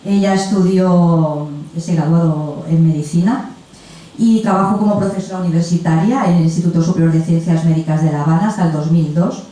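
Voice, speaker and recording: A woman's voice: on the low side, steady tone, a little fast, dark tone. A woman moderating a literary panel, introducing guests in a chatty, effusive and informal way. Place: event room at a festival. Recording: echoey room, distant mic, faint noise.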